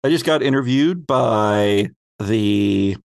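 Unhurried, gravelly male podcast host. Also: fairly low pitch, lively intonation, no room sound, clean studio sound. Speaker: podcast host and game master. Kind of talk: podcast hosting, intros and announcements.

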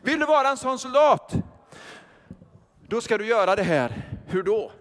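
An older man preaching a sermon as pastor, lively, joking and putting questions to the congregation. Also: very high-pitched. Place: church hall. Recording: long reverb of a church hall.

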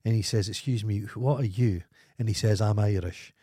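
A man's voice: fairly low pitch, moderate pace, dark tone, breathy edge, no room sound, clean studio sound. Sweary Scottish man, casual chat. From Scotland. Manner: sweary, blunt storyteller. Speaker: podcast co-host.

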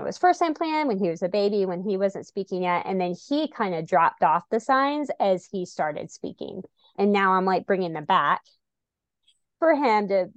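A woman's voice: fairly low pitch, no echo, highs cut off. A woman guest chatting casually about her family, with many "like" and "you know" fillers. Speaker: guest parent. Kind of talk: casual conversation.

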